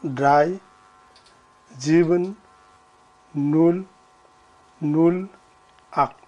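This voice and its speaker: Guy in an exam saying numbers one at a time, super slow, faint hum. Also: a little high, a little mellow, muffled recording. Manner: terse, word by word. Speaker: exam candidate. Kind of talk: spoken language exam answers. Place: indoor room.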